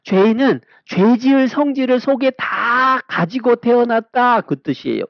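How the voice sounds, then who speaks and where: High-voiced man teaching kids Bible lesson. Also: lively intonation, measured pace, creaky, no room sound. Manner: asks children rhetorical questions with a repeated refrain. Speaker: Sunday school teacher. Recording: dull lo-fi sound.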